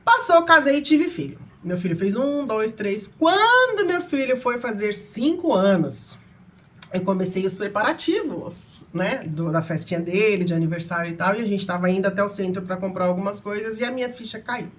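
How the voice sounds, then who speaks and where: A woman's voice: medium pitch, normal speed, a little hiss or hum. A woman in her thirties with a Brazilian accent, hosting her channel and telling a personal story with strong emotion. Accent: Brazilian Portuguese. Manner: emotional, animated, shifts between soft and loud. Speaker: channel host.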